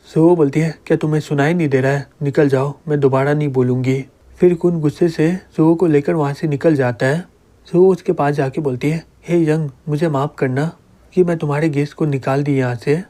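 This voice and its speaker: A man's voice: on the high side, mellow. A man retelling a comic's story as a narrator, reading every character's lines in the same plain voice.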